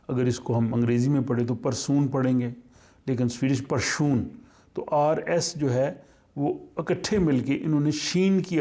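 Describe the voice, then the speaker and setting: A man teaching a language lesson, explaining slowly with many pauses and fillers. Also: medium pitch, mellow.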